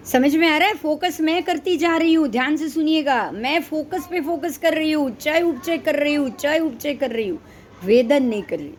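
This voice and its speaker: Middle-aged woman, high pitch, scripture teacher who quizzes her class, faint background hiss. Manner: explains slowly, keeps quizzing listeners. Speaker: religious teacher. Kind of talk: scripture lesson.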